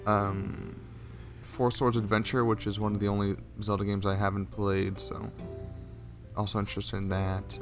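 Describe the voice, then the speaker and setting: A man with a low voice talks through a list of game announcements in a relaxed, offhand way. He drops in fillers and keeps things loose, as if chatting with a friend, with faint music playing underneath. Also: normal speed, vocal fry. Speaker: co-host. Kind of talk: casual chat, game news rundown.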